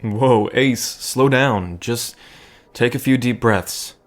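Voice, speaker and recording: A man playing a gentle, nervous bartender who rambles earnestly and hesitantly, in an intimate audio drama. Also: medium pitch, slow, lightly acted. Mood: concerned, reassuring. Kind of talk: intimate audio drama acting addressed to listener.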